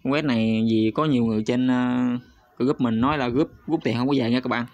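A man talks viewers through a screen recording at an ordinary middle pitch. He is chatty and hesitant, stopping on fillers and turning to his audience again and again. The recording sounds slightly dull and lo-fi. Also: fairly even intonation, fast talker, darkish tone, no echo. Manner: chatty, hesitant, often stops on fillers and addresses viewers constantly. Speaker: YouTube channel host. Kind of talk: casual screen-recorded walkthrough.

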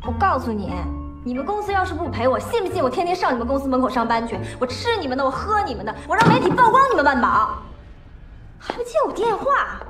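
A feisty young woman seller in a film drama, sharp-tongued and suspicious. Her high voice swoops around in a roomy space, with music behind. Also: animated, racing. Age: young adult. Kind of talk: film dialogue. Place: cluttered small indoor stockroom.

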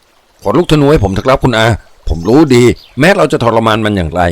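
Fierce young bandit lieutenant, as a narrator voices him. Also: male voice, medium pitch, expressive, dry recording, natural voice. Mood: respectful. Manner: harsh, commanding, measured threats.

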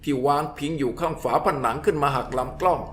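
A man reading a scripted story in a steady, descriptive way, as the storyteller. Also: on the high side, fast.

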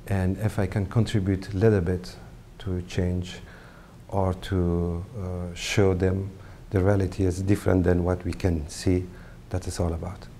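A middle-aged man from Afghanistan, a photographer, speaking English as a second language in a halting interview to camera with many pauses and fillers. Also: low-pitched, dark tone, slight background noise. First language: not English. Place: indoor studio set with brick wall.

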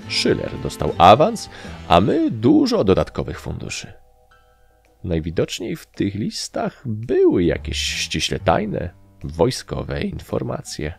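Brief: male audiobook narrator, low gravelly voice, animated delivery. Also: slow pace, soft background music. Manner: lively, expressive reading. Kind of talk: first-person story narration.

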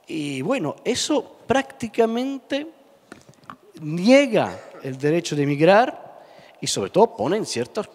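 A middle-aged Sicilian man whose first language is Italian, speaking with an Italian accent on a stage panel into a handheld mic. He talks with passion and emphasis, halting on fillers and repeated words. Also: fairly high pitch. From Sicily, Italy. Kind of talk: public panel talk. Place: large indoor hall, panel on stage. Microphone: handheld microphone. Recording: reverberant hall.

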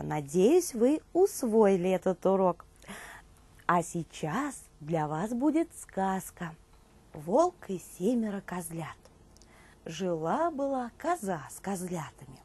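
A woman in her thirties presenting a children's show and telling tales in an expressive way for young listeners. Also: mid-range voice, slightly rough. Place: indoor TV studio dressed as a nursery.

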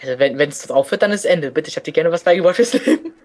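A man's voice: on the high side, lively intonation, quick pace. A man co-commenting a let's play, joking and rambling in casual gaming chat.

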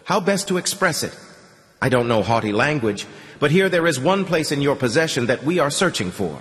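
A man doing a hardened old soldier, blunt and mocking, pitched a bit higher than the narration. A long reverb trails his words. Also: big pitch swings, a little fast, lightly acted. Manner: blunt, sarcastic, businesslike. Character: gruff middle-aged male soldier leader, blunt.

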